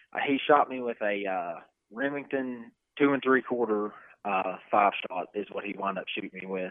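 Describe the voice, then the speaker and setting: In an Appalachian accent, a man with a fairly low pitch speaks at a moderate pace with ordinary pitch variation. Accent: Appalachian American. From West Virginia. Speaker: turkey hunter, shooting victim, former Marine. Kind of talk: interview testimony.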